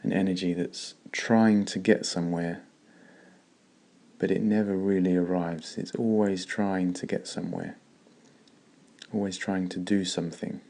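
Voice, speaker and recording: A man leading a guided meditation in a slow, calm, gentle way with long pauses. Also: low voice, creaky.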